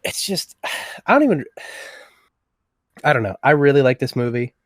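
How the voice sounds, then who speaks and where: A man's voice: medium pitch, very animated, normal speed, no room sound, clean studio sound. A young man from West Virginia, chatting as a podcast guest in a rambling, enthusiastic way. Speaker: guest, slasher fan. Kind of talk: casual podcast chat.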